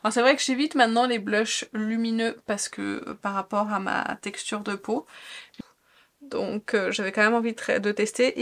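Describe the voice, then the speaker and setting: A woman beauty vlogger talking casually through a makeup tutorial, gushing with enthusiasm and dropping into soft asides. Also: fairly high pitch.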